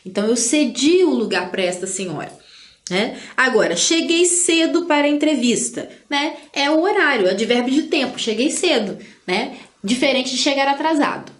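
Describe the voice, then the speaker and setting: A woman's voice: sits high, expressive. A Brazilian Portuguese-speaking woman teaching an online grammar lesson in a chatty way, often tagging "né?" and drawing out example words. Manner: chatty, tags phrases with "né?"; drawls out example words slowly.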